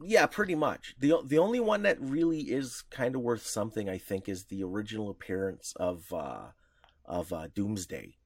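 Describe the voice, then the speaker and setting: A man's voice: fairly low pitch, expressive, moderate pace, no echo. A man co-hosting a podcast in casual chat, talking loosely with restarts and the odd swear word. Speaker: podcast co-host.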